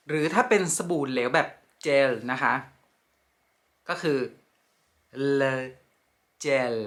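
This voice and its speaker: Very slow, bright-voiced woman teacher. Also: rumbling low. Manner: slow, deliberate, repeats each word carefully. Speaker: French language teacher. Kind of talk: pronunciation lesson.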